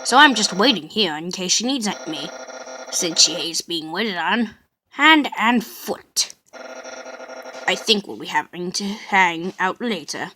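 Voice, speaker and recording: Woman as oblivious male skeleton, game dub, bright voice, slow delivery, self-assured, innocent. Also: fairly low pitch, lively intonation, slight background noise, exaggerated voice, low-quality recording. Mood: naive, puzzled. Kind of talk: amateur video game character dub.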